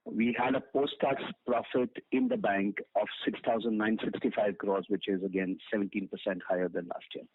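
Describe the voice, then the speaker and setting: Male finance chief, Indian accent, husky creaky voice, formal results readout, heard through a tinny conference call. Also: fairly low pitch, steady tone, moderate pace, few pauses. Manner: matter-of-fact, reading out figures with hesitations. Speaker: bank finance executive. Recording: narrow tinny phone conference line.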